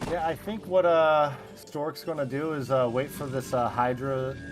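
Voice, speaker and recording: With music playing in the background, a man talks using ordinary pitch variation. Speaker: esports co-caster. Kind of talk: live game commentary.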